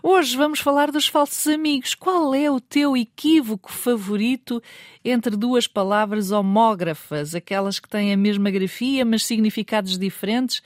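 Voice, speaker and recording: A woman's voice: fairly high pitch, normal speed, no echo, clean studio sound. A woman hosting a radio segment, moving from a scripted introduction into engaged interview chat. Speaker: radio host.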